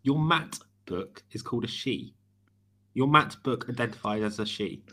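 A man's voice: mid-range voice, expressive, normal speed, a bit bright, slightly rough. A man co-hosting a podcast, teasing his partner with wry quips. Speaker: podcast co-host. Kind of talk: casual chat.

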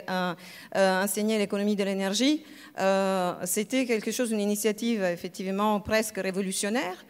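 A woman professor talks on a conference panel with a smooth, clear voice. She hesitates often and fills gaps with filler sounds. Her voice carries through a long, echoing hall reverb. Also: mid-range voice. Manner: hesitant, many filler sounds, searching for words. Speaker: energy economics professor, panelist. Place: lecture hall at a school.

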